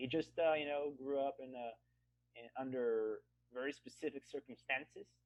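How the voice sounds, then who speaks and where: A man with a Portuguese accent talks at a moderate pace and a medium pitch. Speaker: podcast co-host. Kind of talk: casual chat. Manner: halting.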